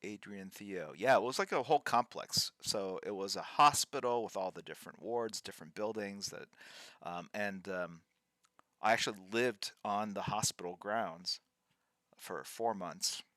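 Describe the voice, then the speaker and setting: A man in his fifties hosting a livestream, chatting casually while drawing and reading out viewer names in a halting, thinking-aloud way. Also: fairly low pitch, bright, forceful tone, no echo, clean studio sound. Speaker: livestream host.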